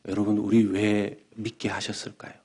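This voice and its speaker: A male pastor preaches with a low, gravelly voice that has a husky edge. He drops to hushed, whispered questions, then rises into fervent exhortation. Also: level tone, moderate pace. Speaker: senior pastor. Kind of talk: sermon.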